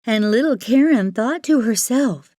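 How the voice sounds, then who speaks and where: A woman narrating a children's fairytale as a storyteller, with expressive delivery and dramatic, drawn-out emphasis. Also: on the high side, no echo, clean studio sound.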